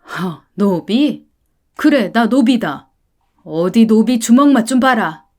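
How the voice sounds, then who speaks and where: A woman voicing an angry, hot-tempered working-class husband who shouts and confronts. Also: a little high, animated, slow pace. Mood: outraged.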